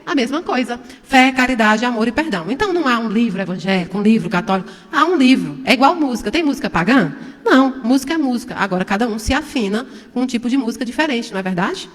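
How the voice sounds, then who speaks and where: A middle-aged woman from Brazil gives a chatty spiritual talk, her fairly high voice carrying through a large hall with a long reverb. She keeps turning to her listeners with questions and sometimes acts out a shout. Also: expressive, quick pace. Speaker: spiritist lecturer. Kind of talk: informal spiritual talk to an audience. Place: large hall before an audience.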